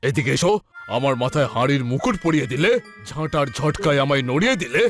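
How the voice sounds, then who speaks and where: A man's voice: mid-range voice, expressive, fast talker, fairly bright tone, lightly acted. A man voicing a goofy, complaining cartoon buddy who talks in singsong rhymes. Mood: comic grumbling. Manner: singsong rhyming, dramatic complaining. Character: goofy, whiny, rhyming cartoon buddy, comic male. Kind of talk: children's cartoon dub. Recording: faint music behind.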